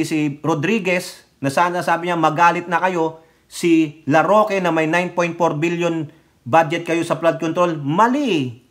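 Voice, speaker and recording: Emphatic Filipino man scolding on a vlog. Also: high-pitched. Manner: emphatic, scolding, mixes Tagalog with English. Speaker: political vlogger. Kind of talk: political commentary vlog.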